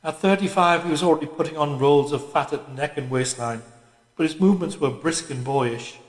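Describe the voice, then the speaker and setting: A man reading a literary audiobook as scripted narration, with measured, deliberate phrasing. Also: on the high side. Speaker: audiobook reader. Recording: echoey room with long reverb.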